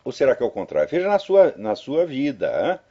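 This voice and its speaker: An older man talks to his listeners in a loose, anecdotal commentary, tossing in tag questions as he goes. His voice is husky and his pitch swings widely. The audio is dull and lo-fi. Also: wildly swooping pitch, fairly quick, dark tone. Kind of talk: casual spoken commentary.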